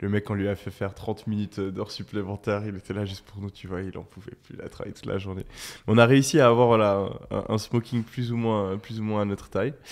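The intonation stays monotone and flat throughout. Behind the voice, the background is quiet. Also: man. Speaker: podcast co-host and online entrepreneur; podcast co-host. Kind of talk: casual chat. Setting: in a private villa. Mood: relaxed, amused storytelling. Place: home room. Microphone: studio mic.

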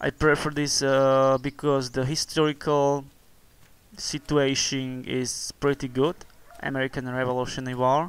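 A man with a non-native accent and a fairly high pitch, monotone and flat in intonation, in a very clean recording with a silent background. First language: not English. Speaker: gaming YouTuber. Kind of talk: game review. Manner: halting, many fillers.

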